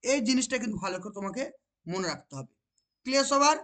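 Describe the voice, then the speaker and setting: A woman teacher with a West Bengal accent leads an exam-prep grammar lesson. She drills each point more than once, slows down to stress key phrases, and keeps checking with rhetorical questions. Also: fairly high pitch, expressive, fairly bright tone.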